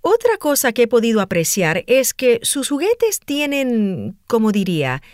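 A woman's voice: a little high, huge pitch swings, measured pace, a little mellow, no echo, clean studio sound. A woman playing a polite radio show host who interviews her guest in a gracious, admiring manner, in a scripted listening-exam dialogue.

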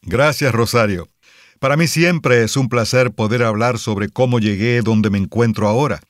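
A man from Cuba playing a toy company president answering interview questions in a sincere, measured way, in a scripted listening-exam dialogue. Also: medium pitch, no room sound, studio quality, close to an everyday voice. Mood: earnest. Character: earnest male immigrant toy company boss.

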